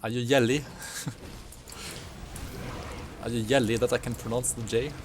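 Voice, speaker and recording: A man's voice: medium pitch, fairly even intonation, takes it slowly, background noise. A man who spent part of his childhood in Sweden gives casual game commentary as a streamer. He rambles loosely, ends thoughts with a tag question and chats with viewers as he plays. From partly raised in Sweden. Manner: chats with viewers while playing.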